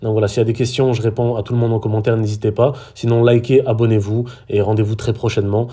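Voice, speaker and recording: A man's voice: lowish voice, level tone, fast talker, dark tone. A man from France, giving a casual social media tutorial with lots of fillers and restarts. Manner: hesitant, many fillers and restarts. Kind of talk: casual screen-recorded tutorial.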